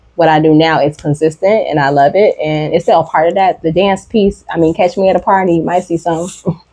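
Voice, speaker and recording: At a fairly quick pace, a woman with a fairly low pitch speaks with fairly even intonation. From US Midwest, South Side of Chicago. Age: 30s. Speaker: fashion designer. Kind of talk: casual interview chat.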